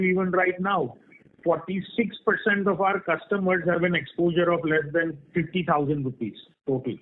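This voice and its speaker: Over a muffled, band-limited conference line, a man with a fairly high pitch responds to analysts as a company executive. His earnings call answers are spontaneous and frank explanations, and he keeps asking "right?" along the way.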